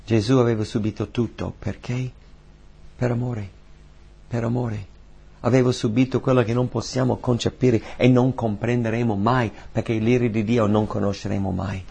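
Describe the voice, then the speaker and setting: A man delivers a sermon in a gravelly, husky voice. He speaks with emphasis, repeating key phrases and moving from hushed lines to forceful ones. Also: mid-range voice, little pitch movement, normal speed. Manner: emphatic, repeating key phrases, swinging between soft and loud. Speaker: preacher.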